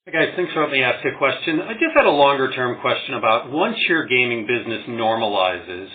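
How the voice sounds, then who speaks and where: A man's voice: mid-range voice, expressive, a little fast. A man, a financial analyst, asking a question on an earnings call. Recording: phone-like narrowband conference call audio.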